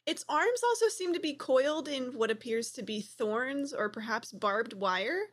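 A woman's voice: high voice, lively intonation, measured pace. A woman playing a tabletop role-playing game, describing a monster with wry, hesitant humor. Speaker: player. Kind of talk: casual tabletop play.

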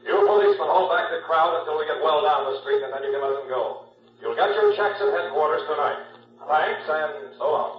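Radio drama film director: authoritative, brisk commands, raised pitch, heavily reverberant muffled vintage recording. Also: male voice, very animated, noisy background. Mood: commanding. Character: bossy fake movie director barking orders. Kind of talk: 1940s radio acting. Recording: echoey, distant, muffled 1940s radio recording.

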